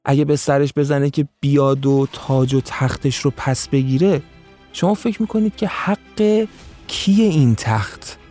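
A man voicing a scheming, powerful male tribal chief who speaks calmly and calculatingly in an audio story. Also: medium pitch, soft background music, close to an everyday voice. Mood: pressing.

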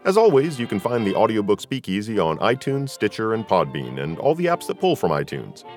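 A man's voice: fairly low pitch, wildly swooping pitch, a little fast, soft background music. A man hosting a podcast in a casual, conversational style. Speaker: podcast host and audiobook narrator. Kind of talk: casual podcast interview and chat.

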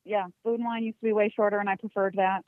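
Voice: medium pitch, little pitch movement, fast talker, no room sound. Give me a young caller talking over the phone. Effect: heard over the phone. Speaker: caller to a fan call-in show. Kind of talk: casual chat. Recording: tinny dry phone line.

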